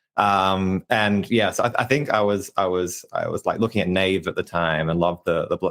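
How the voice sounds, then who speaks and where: A man with an Australian accent speaks at a moderate pace in a very clean recording with a silent background and a dry, close sound with no echo. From rural Australia. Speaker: game designer. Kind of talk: podcast interview. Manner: halting, many repeated words.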